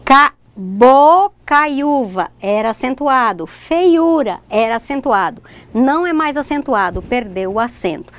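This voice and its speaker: A woman teacher leads a recorded online lesson, her fairly high voice swinging widely in pitch. She explains examples step by step and talks straight to her students, often checking that they follow. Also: expressive, measured pace. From Brazil. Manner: addresses students directly, points at examples. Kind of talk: recorded distance-learning lesson.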